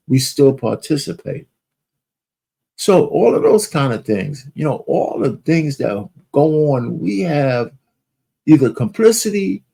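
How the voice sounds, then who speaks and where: A man's voice: medium pitch, gravelly, mellow. A man hosting his own talk show, speaking bluntly in a loose, rambling way with some swearing. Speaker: host. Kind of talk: casual talk show monologue.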